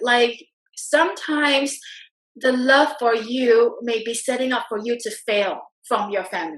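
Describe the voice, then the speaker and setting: At a fairly slow pace, a woman speaks in a high pitch. Her pitch varies in an ordinary way. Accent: Singaporean. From Singapore. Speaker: online show host. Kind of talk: interview host talk. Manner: upbeat.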